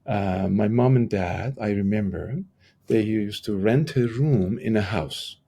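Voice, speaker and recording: A middle-aged man with an Iranian accent and a husky, gravelly voice, telling personal stories reflectively as an interview guest. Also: fairly low pitch, a little mellow. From Iran. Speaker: podcast guest, transformational coach.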